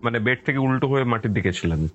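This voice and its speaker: A man's voice: medium pitch, lively intonation, fast talker. A man hosting a podcast, giving brief acknowledgements and short follow-up questions. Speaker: podcast host. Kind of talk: attentive listening, brief responses and questions. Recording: dull lo-fi audio under background music. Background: background music.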